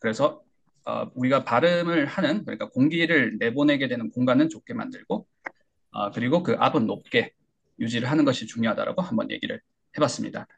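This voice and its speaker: A man teaching pronunciation in an online class. His voice is husky and gravelly and sits at a middling pitch. He explains each point step by step, with many hesitations, and models words with exaggerated rises. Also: a little fast. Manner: frequent hesitation fillers. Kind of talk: online lecture.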